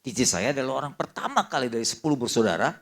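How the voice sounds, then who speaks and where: An older man preaching a sermon as pastor, telling a family story in a lively way and mixing casual slang into it. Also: medium pitch, racing.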